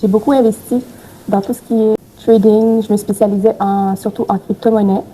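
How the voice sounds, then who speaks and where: Invitée posée, voix chaude, bruit de fond léger. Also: female voice, mid-range voice, a little hiss or hum, rough recording. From Haiti. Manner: calm, measured, with hesitations. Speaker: podcast guest, entrepreneur. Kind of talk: casual interview answers.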